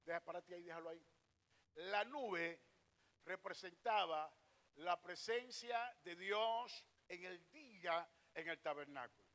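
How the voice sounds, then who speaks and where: A man's voice: sits high, measured pace, fairly bright tone. A man preaching a sermon. He fires questions at the congregation, answers them himself, repeats his points and tells a reader when to read the next verse. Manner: directs a scripture reader between points; repeats and restarts phrases, hammering each point.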